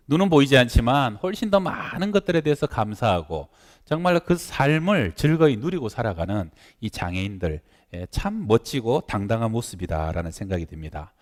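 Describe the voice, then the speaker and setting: A man's voice: medium pitch, big pitch swings, moderate pace. A middle-aged man, a pastor, preaching a sermon in a church and acting out the voices in his stories. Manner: acts out quoted voices in stories. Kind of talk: sermon with storytelling. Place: church sanctuary. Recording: church hall reverb.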